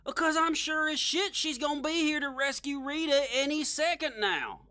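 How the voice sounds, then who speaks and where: Bright, swooping, sarcastic witch played by a woman. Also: sits high, moderate pace, dry recording. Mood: mocking. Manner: sarcastic, animated.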